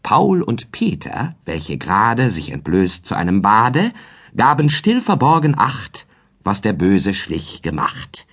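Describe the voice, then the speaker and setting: A man recites a comic rhyming tale for an audiobook, his husky voice rising and falling in wide, lively swoops. He takes an unhurried, measured pace and keeps a sing-song verse rhythm throughout. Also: fairly low pitch. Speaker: audiobook narrator.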